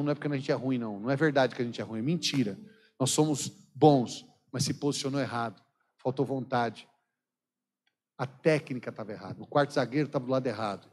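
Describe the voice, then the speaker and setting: A man's voice: mid-range voice, brisk, a little mellow. Brazilian missionary guy preaching, são paulo accent, jokey stories with little acted-out bits, big echoey church hall. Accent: Brazilian Portuguese, São Paulo. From São Paulo state, Brazil. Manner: jokey storytelling, acts out quoted dialogue, laughs often. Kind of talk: sermon. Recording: long church hall reverb.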